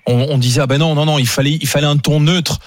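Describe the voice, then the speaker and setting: A man's voice: fairly high pitch, steady tone, fast talker, no echo. Radio host guy, talky, cuts in a lot, dry studio mic. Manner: chatty, jumps in often. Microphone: studio microphone.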